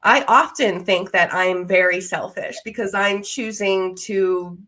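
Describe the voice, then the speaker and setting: A woman's voice: medium pitch, measured pace, sharp tone. A woman, apparently in her thirties, hosting a casual conversational interview in an affirming, enthusiastic, informal way. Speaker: podcast host.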